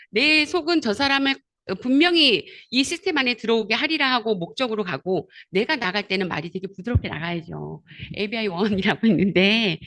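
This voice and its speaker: A woman giving a motivational seminar talk, animated and laughing often as she acts out conversations. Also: on the high side. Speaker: network marketing speaker.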